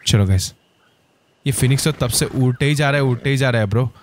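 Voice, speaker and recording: Excitable male gameplay commentator. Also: mid-range voice, fairly quick, a little hiss or hum. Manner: excitable, keeps saying "guys". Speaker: gaming channel host.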